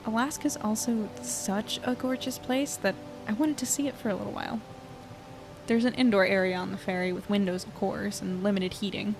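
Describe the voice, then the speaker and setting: An actress plays a young woman in an audio drama, thoughtful and easygoing. Her voice sits at an ordinary female pitch and sounds natural and reflective. Music plays clearly behind her. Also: steady tone, moderate pace, lightly acted, poor audio.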